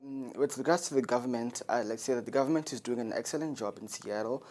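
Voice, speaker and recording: A young man from Botswana, a university student, answering questions in a relaxed, friendly way. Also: mid-range voice, quick pace. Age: young adult. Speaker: banking student.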